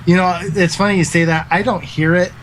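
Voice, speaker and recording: A man's voice: sits high, fairly even intonation, brisk, a bit bright, slight background noise, rough recording. A man in his thirties, a guest esports caster, talking earnestly in a casual podcast interview, with lots of fillers. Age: 30s. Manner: earnest, rambling with many fillers.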